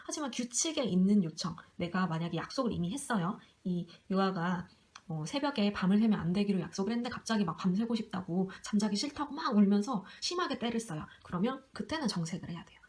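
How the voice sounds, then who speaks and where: A young woman delivers an online lecture at a quick, lively clip. She speaks casually to her students and keeps breaking into brief acted-out lines to illustrate her points. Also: mid-range voice. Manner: fast, chatty teaching with acted quotes.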